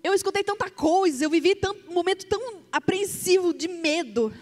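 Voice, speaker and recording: A woman's voice: very high-pitched, expressive, a little fast, soft background music. A woman pastor telling a story in a sermon, emotional and vivid, acting out the dialogue. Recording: long hall reverb.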